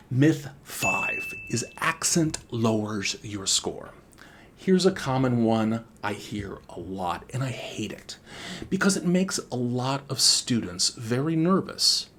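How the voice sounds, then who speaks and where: A man teaching exam speaking skills in a scripted video lesson, speaking deliberately with expressive intonation. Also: mid-range voice, slight background noise. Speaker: IELTS teacher and former examiner.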